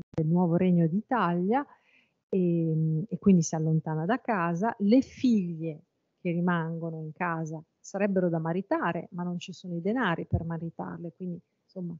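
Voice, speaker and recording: A woman's voice: lowish voice, warm tone, dry recording, highs cut off. A woman from Italy giving an adult education lecture in a thoughtful, hesitant way.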